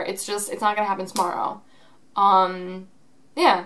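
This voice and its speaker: A woman's animated, medium-pitched voice at a fairly quick pace. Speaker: gaming YouTuber. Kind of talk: casual vlog tutorial. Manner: fast.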